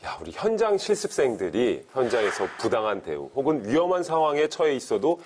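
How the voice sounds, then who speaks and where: Lively fast-talking man host. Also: medium pitch, slight background noise. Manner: animated, quick interjections and reactions. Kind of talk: talk show hosting.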